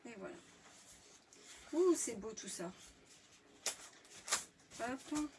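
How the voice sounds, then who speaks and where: A woman's voice: on the high side, animated, extremely slow. Chatty French woman leading a craft live. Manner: chatty, many fillers and restarts. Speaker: scrapbooking workshop host. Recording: distant mic, faint background hiss.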